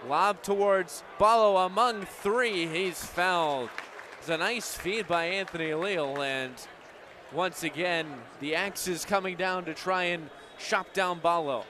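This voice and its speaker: A man's voice: high-pitched, unhurried, bright, forceful tone. A young American man calling live sports as a radio play-by-play broadcaster. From United States. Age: young adult. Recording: live game broadcast, crowd noise behind. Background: crowd and game noise.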